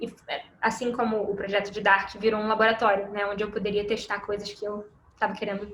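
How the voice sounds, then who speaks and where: Noticeable background noise runs under a woman's voice. She speaks at medium pitch with monotone, flat intonation. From Petrópolis, interior of Rio de Janeiro state, Brazil. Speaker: illustrator and designer, studio co-founder. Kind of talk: guest talk presenting work. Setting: video call. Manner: fast.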